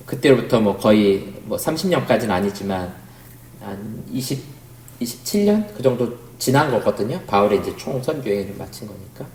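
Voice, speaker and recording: A man, a pastor, giving a Bible study lecture in a conversational way, often asking the class questions. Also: mid-range voice. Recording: roomy, echoey room sound.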